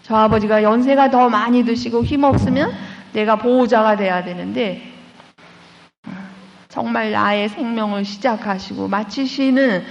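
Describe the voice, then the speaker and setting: A woman's voice: on the high side, unhurried, gravelly. Nun lady telling a church story, acts out voices, muffled sound, long hall echo. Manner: lively storyteller who acts out quoted voices. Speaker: Catholic nun giving a lecture. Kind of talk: sermon-style storytelling lecture.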